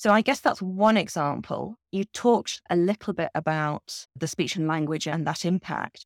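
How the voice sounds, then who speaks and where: In an unremarkable speaking voice, a woman talks at a moderate pace with hardly any pauses, her fairly low pitch showing ordinary variation, in a very clean recording with a silent background and a dry, close sound with no echo. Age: 50s. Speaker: nonprofit founder. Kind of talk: interview.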